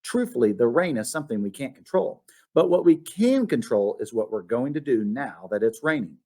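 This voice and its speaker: A man's voice: medium pitch, very animated, normal speed, dark tone. A man voicing a patient, slightly quirky storybook mother who coaches and encourages. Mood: sympathetic, coaching. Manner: encouraging, instructive. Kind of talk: storybook read-aloud.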